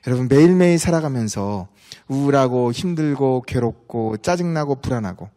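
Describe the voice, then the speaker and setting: A man's voice: medium pitch, lively intonation, normal speed, warm tone. A man preaching a sermon as pastor, telling a story with acted-out dialogue and asking the congregation questions. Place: church sanctuary. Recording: church hall reverb.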